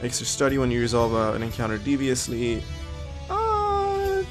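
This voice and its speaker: A man's voice: medium pitch, very animated, moderate pace, music in the background. Sniffly man thinking aloud over a game. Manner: thinks aloud, reads game text, many ums. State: sniffly with a cold. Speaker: gaming video host. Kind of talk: casual let's-play commentary.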